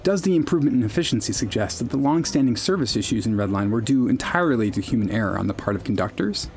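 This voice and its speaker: A man playing an earnest, pedantic, deadpan news anchor in an audio drama, with a stiff, deliberate delivery. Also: medium pitch, soft background music, natural voice.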